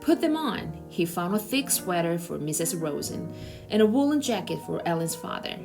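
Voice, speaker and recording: Low-pitched woman reading a story over music. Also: expressive, normal speed, vocal fry. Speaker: narrator reading a novel aloud. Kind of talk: read-aloud storytelling of a children's novel.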